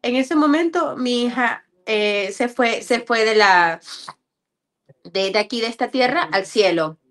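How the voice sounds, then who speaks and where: Woman, higher voice, mother, emotional personal testimony, halting, repeats words. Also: fairly bright tone. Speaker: mother giving a faith testimony.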